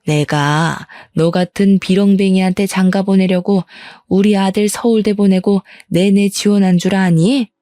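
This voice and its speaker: A woman's voice: medium pitch, steady tone, measured pace, hardly any pauses, mellow, no room sound, lightly acted. A woman voicing a haughty, scornful older mother-in-law in a spoken story. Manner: scornful, stammers in shock.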